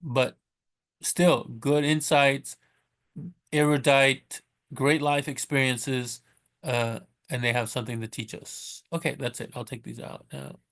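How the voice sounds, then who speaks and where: A man talking casually and unscripted in a low-key way, haltingly correcting himself as he recommends things like a vlogger. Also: vocal fry. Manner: halting, self-correcting, rambling delivery; low-key, self-described monotone. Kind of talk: casual unscripted vlog talk.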